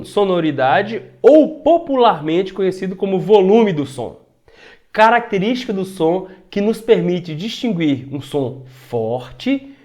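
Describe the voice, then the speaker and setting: A Brazilian man with a fairly high voice teaches a physics lesson online. He explains step by step and checks in with his students again and again. He makes his voice louder or softer to show the ideas. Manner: shifts loudness to demonstrate sounds.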